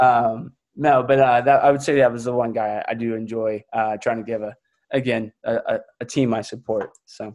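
A man with an American accent and a medium pitch talks in a flat monotone at a moderate pace. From North Carolina, Raleigh area. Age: 30s. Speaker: soccer coach. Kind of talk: casual chat.

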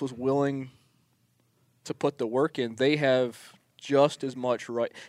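A man with an American accent at medium pitch and a very slow pace, with fairly even intonation, in a dry, close sound with no echo and a very clean recording with a silent background. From northern New York State. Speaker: conservation group staffer. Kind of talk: casual interview conversation.

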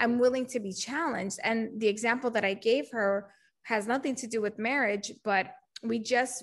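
A woman with an American accent has a normal speaking voice, a fairly high pitch and ordinary pitch variation. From New York City. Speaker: Marine Corps veteran and author. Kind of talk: interview.

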